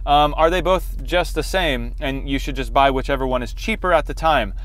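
A man's voice: fairly high pitch, moderate pace, a bit bright. A man in his forties hosting a casual product test, talking in a conversational way from inside a car. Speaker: host. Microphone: lapel mic.

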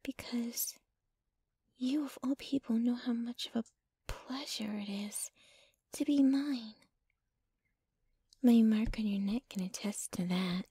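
A woman acts out a possessive young yandere girlfriend for an intimate ASMR audio drama. Her voice is soft, mellow and breathy, often slipping into whispers, recorded very close and dry. She coos and clings to the listener with a sweet, jealous menace. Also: fairly high pitch, dry recording, exaggerated voice. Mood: sweetly possessive. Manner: slow, cooing, clinging to the listener.

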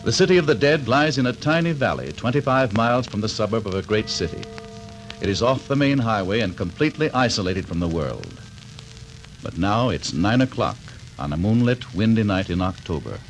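Dramatic radio announcer man, lively delivery. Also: lowish voice, soft background music, poor audio. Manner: dramatic, measured. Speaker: announcer and narrator. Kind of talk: scripted radio narration.

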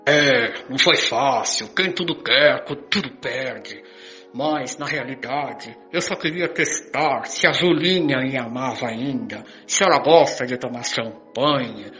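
A man's voice: medium pitch, takes it slowly, pushed and bright. An older Brazilian man playing a boastful, romantic old womanizer in an amateur radio soap. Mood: wounded, boastful. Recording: muffled, echoey voice clip with faint music.

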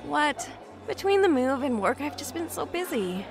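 A woman's voice: high-pitched, very animated, normal speed, creaky, exaggerated voice. A woman in her twenties playing a reserved, overworked young office worker in an audio drama, with music behind her. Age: 20s. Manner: reserved, defensive, a little awkward.

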